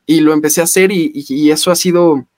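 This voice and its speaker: Upbeat man, slightly high voice. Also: steady tone, quick pace, a little mellow, dry recording, clean studio sound. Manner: enthusiastic, many fillers and restarts. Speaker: voice actor and actor, guest. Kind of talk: casual podcast interview.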